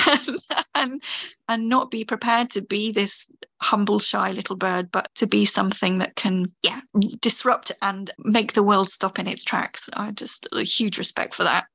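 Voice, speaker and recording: A woman's voice: medium pitch, creaky, pushed and bright, dry recording. A woman guest in a casual interview, speaking with enthusiasm and frequent restarts. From England. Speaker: podcast guest, writer.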